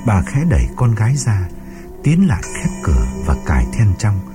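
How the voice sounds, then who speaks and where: Guy reading a spooky story, deep-ish voice that swoops around a lot, music playing under. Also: moderate pace. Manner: expressive, suspenseful storytelling. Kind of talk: dramatic audiobook narration. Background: background music.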